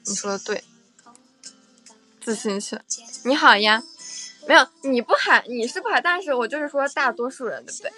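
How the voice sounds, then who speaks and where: A woman's voice: high voice, expressive, normal speed, pauses often, sharp tone, faint music behind. A young woman hosting a casual livestream, chatting with viewers in a playful, teasing way and often repeating her phrases. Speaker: livestream host.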